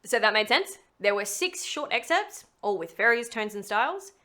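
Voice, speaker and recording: A woman's voice: on the high side, very animated, moderate pace, sharp tone. A woman giving a scripted tutorial in a chatty, emphatic way with some self-deprecating humour. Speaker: voice actor teaching how to make a demo reel. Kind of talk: scripted tutorial narration to camera.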